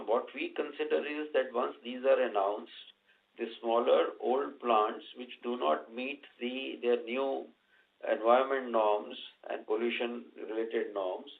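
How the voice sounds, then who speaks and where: An Indian-accented man, a company executive answering questions on an earnings call, speaking haltingly and repeating words. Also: medium pitch, creaky. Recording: dull band-limited conference call line.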